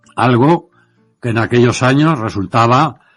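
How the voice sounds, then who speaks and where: A voice with ordinary pitch variation speaks over music playing in the background. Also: man. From Madrid, Spain. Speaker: journalist, broadcaster and writer. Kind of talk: interview answer. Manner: reflective, unhurried.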